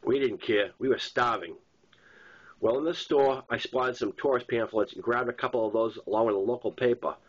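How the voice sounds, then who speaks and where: A man's voice: mid-range voice, fairly quick. A man with a Boston accent reads a first-person novel aloud as its author, in a plain narrating style with occasional stumbles. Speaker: author reading own novel. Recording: dull lo-fi sound.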